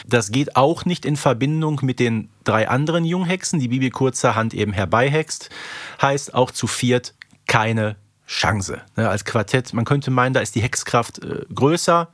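A man's voice: medium pitch, animated, normal speed, a bit bright, no room sound, clean studio sound. A man co-hosting a podcast in casual, colloquial conversation, often checking for agreement with tag questions. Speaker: podcast co-host. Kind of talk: casual chat reviewing an audio drama.

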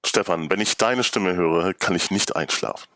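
A man's voice: sits low, moderate pace, pushed and bright, no echo. A man chatting casually as a guest on a podcast. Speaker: podcast guest, fan of audio plays. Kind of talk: casual chat.

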